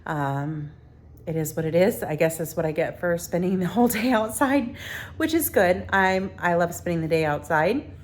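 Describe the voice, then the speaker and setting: A woman's voice: lowish voice, animated, moderate pace. Woman vlogger, casual rambling chat, a little stuffy-nosed at times. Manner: chatty, rambling with fillers. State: stuffy from allergies. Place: theme park, outdoors and at home.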